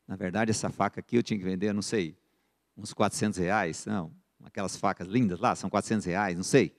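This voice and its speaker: A man's voice: low-pitched, fast. A middle-aged man with a Brazilian accent teaching a church finance course, telling stories and acting out buyers and sellers in the dialogues. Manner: lively storyteller who acts out buyer and seller dialogues. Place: church sanctuary. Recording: long church reverb.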